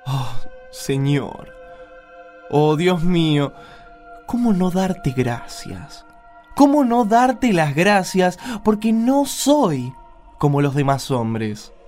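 An actor playing a pompous, contemptuous, pious Pharisee husband in a radio play, preachy and condescending. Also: male voice, a little high, sing-song, extremely slow, darkish tone, soft background music, exaggerated voice. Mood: self-satisfied prayer.

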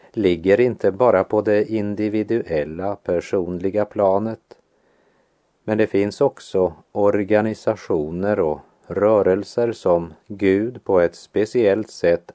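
A man reading a devotional teaching aloud in an earnest, measured preaching manner. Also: deep voice, warm tone, no room sound, studio quality. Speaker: devotional speaker.

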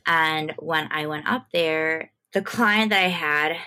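A woman's voice: deep voice, slow, sharp tone, poor audio. A woman as an interview guest, telling stories in a casual, informal way and often saying "like". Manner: informal, peppered with "like". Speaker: podcast guest, music manager. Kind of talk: casual conversational storytelling.

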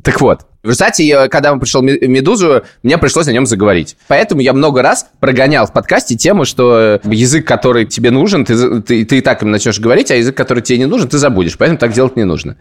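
A man's voice: mid-range voice, animated, fast talker, hardly any pauses. A man hosting a podcast, chatting casually and telling long, self-ironic stories. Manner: rambling, self-ironic storytelling. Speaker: podcast host.

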